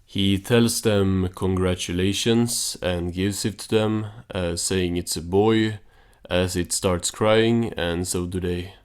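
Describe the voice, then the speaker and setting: A man's voice: low voice, fairly even intonation, takes it slowly, heavy background noise. A man narrating a casual recap and commentary as a reviewer, in an offhand, understated way.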